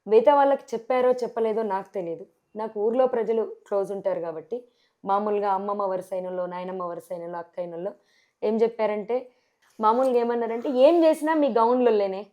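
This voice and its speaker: A woman with a Telangana Telugu accent, running for sarpanch, fields TV interview questions forcefully, asking rhetorical questions throughout. The recording sounds muffled, and her medium-pitched voice runs a little fast.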